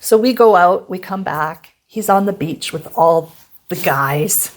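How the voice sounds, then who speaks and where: A woman in her fifties chatting casually as a guest, telling a family story with lively voice changes for the people she quotes. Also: unhurried. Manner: animated, acts out quoted dialogue with big pitch jumps and laughs. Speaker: guest, mother of the host.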